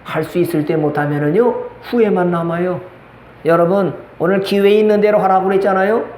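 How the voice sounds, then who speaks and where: A man's voice: sits high, fairly quick, a little mellow. An older man, a pastor, preaching a Sunday sermon, telling stories with quoted voices and asking the congregation questions. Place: church sanctuary. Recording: echoey church room with faint noise.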